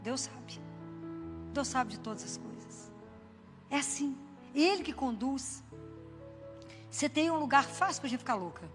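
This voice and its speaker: A woman's voice: high-pitched, animated, measured pace, pauses often. Older woman giving a devotional talk. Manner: conversational storytelling, acting out quoted voices. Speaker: Christian inspirational speaker. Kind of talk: spoken devotional message. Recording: long hall reverb with soft background music.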